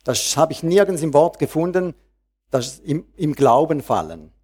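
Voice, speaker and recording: A man preaching a sermon, reading Bible verses slowly and then speaking freely and directly to his congregation. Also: fairly high pitch, expressive, darkish tone, husky.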